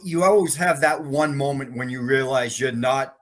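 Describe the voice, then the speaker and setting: A man's voice: mid-range voice, normal speed, a bit bright. A man in his fifties from Massachusetts, a sales professor telling stories cheerfully as an interview guest. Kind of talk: interview storytelling.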